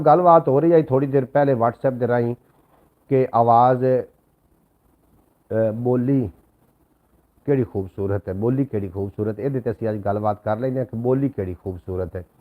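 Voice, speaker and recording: Man, live stream host, casual chat, courteous and blessing, lowish voice, dull lo-fi mic. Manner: courteous, showers viewers with blessings and thanks. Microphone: new microphone.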